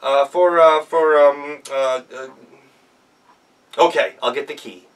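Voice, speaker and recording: A man's voice: fairly high pitch, steady tone, takes it slowly, clear, resonant tone, distant mic. A man voicing a fearful, stubborn folktale miller who blusters, stammers and repeats himself. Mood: flustered.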